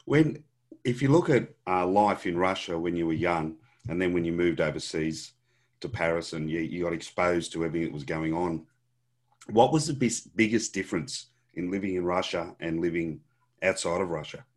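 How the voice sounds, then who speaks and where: Deep-voiced man hosting a podcast. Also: moderate pace. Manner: relaxed, short affirmations, repeats words. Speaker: podcast host. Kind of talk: casual interview chat. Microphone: video call.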